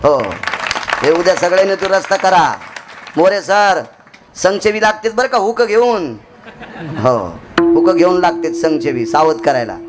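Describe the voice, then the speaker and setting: A high-pitched man delivers a devotional kirtan sermon. He preaches in a folksy, humorous way and calls out to people in the crowd by name. Loud instrumental music plays behind his voice throughout. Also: expressive, a little slow.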